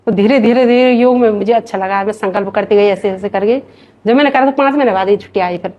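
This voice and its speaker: A woman's voice: mid-range voice, fast talker. A woman in her forties from Himachal Pradesh, a guest telling a personal story in casual speech and acting out what her family said. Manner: animated storyteller who acts out family quotes. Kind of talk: casual spoken testimony. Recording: slightly dull, lo-fi sound.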